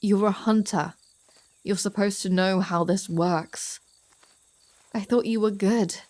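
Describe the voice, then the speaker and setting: Slow, teasing vampire woman, acted by a woman. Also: medium pitch, fairly even intonation, a little mellow, no echo, close to an everyday voice. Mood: wry, playful. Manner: teasing, sardonic, sweary, drawling. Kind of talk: ASMR roleplay audio drama addressed to the listener.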